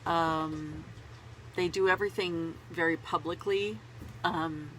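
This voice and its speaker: A woman's voice: low voice, fairly even intonation, slow pace, fairly bright tone, a little hiss or hum, rough recording. A woman with a cold, congested and sore-throated, chatting in a rambling way to camera as a knitting vlogger from a small closet at home. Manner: rambling and chatty, laughs at herself. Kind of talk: casual chat to camera.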